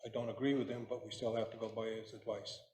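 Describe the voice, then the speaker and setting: A man on a town planning board, speaking firmly and in a measured way as he proposes a motion at a public meeting. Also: on the low side, little pitch movement, darkish tone. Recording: very echoey room with faint noise.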